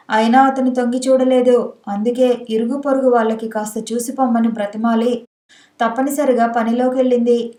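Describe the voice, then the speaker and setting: A woman narrating an audiobook story in a calm, measured reading, recorded in an echoey room. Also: a little high.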